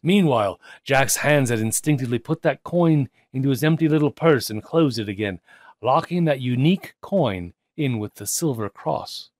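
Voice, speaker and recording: A man narrating an audiobook as dramatic literary storytelling, theatrical, with deliberate pauses and emphasis. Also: medium pitch, lively intonation, dry recording.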